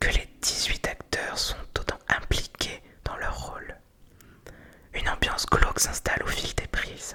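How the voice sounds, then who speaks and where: Noticeable background noise sits behind a woman whispering at a fairly slow pace. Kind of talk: whispered horror story reading (ASMR). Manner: whispered, soft.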